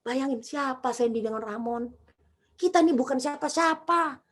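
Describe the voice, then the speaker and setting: A woman's voice: high voice, moderate pace, a bit bright. A middle-aged woman preaching a revival testimony sermon, emotional and speaking straight to the congregation. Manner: emotional, shifts into quoted voices, addresses the audience directly.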